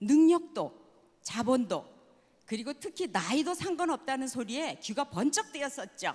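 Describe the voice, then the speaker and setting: Her pace is very slow. The woman's pitch rises and falls across a very wide range. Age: 70s. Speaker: network marketing distributor. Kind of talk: promotion ceremony speech. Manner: formal.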